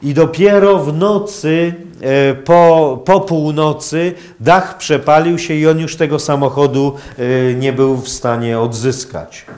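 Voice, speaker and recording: A man giving a public lecture in a halting, hesitant manner with long pauses. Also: on the high side, fairly even intonation, a little mellow. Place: university lecture hall, indoors.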